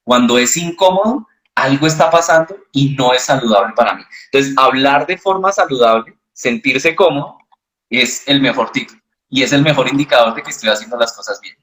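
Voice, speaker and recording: Interviewed as a voice specialist, a man answers at normal speed in a mid-range voice. He stays calm and patient, explaining didactically and teaching through examples.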